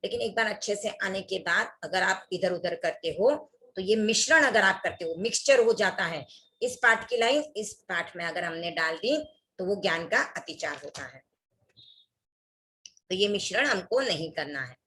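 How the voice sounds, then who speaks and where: A woman's voice: medium pitch, expressive, moderate pace, pushed and bright. A woman teaching an online religious workshop, explaining recitation mistakes and reciting scripture passages as examples.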